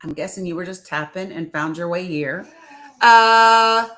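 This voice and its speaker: Woman hosting a live, bright clear-cut voice, chatty and informal, encouraging. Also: lowish voice, unhurried, low-quality recording. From Tennessee, United States. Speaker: live stream host. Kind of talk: casual political live chat.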